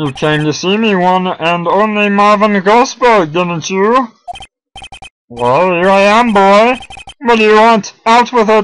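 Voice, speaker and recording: A put-on character voice, fairly high in pitch, unfolds at a fairly slow pace. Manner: bossy, demanding.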